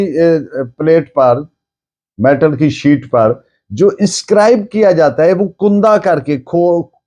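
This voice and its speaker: A man with a Pakistani accent lecturing on a legal text, deliberate, restating things in other words as he explains. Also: fairly high pitch, a little mellow. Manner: deliberate, explains by repeating and rephrasing. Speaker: law lecturer.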